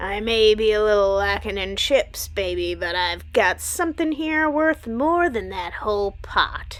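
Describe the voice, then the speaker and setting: Over background music, a woman does a raspy, put-on character voice at a moderate pace with hardly any pauses. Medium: read story. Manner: sly, wheedling.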